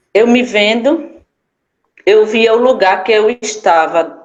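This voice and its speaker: This woman speaks at a very slow pace. Her pitch varies in an ordinary way. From Brazil, Sergipe (Neópolis, São Francisco riverside). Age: 40s. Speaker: interviewee sharing spiritual experiences. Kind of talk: interview testimony. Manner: halting.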